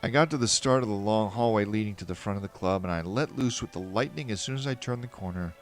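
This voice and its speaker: A man's voice: lowish voice, quick pace, faint music behind. A man narrating a first-person fan fiction story in a wry, earnest way.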